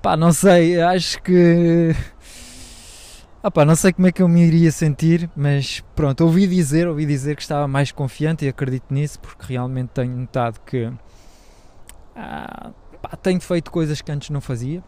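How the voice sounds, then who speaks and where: A man's voice: a little high, fairly even intonation, moderate pace, dark tone, no room sound. A man hosting his own podcast in a casual, rambling monologue, hesitant and full of fillers, speaking Portuguese with a French accent. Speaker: podcast host.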